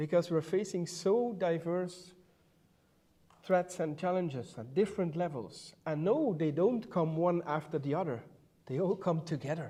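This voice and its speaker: Over a quiet background, a man with a Dutch accent speaks at a moderate pace in a dark, mellow tone, high in pitch with ordinary pitch variation. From Netherlands. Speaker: EU official. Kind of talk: panel speech.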